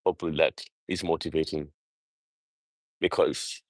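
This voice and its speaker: A man's voice: extremely low pitch, level tone, normal speed, no room sound. A man hosting a motivational live stream, speaking off the cuff and emphatically, often checking for agreement with rhetorical questions. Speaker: motivational livestream host.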